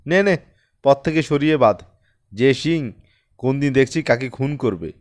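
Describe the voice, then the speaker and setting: A haughty village priest from a storybook, acted out by a male narrator. He scolds and mocks in sharp, callous commands. The sound is dry and close. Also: medium pitch, expressive, normal speed, dry recording, lightly acted. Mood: angry, contemptuous. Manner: sharp taunts, contemptuous commands. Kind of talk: dramatized audiobook storytelling.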